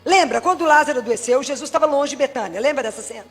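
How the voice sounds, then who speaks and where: Her voice high-pitched and quick, a Brazilian woman preaches a Catholic sermon to a live congregation in a Brazilian Portuguese accent. She's lively, full of rhetorical questions, and faint music plays in the background.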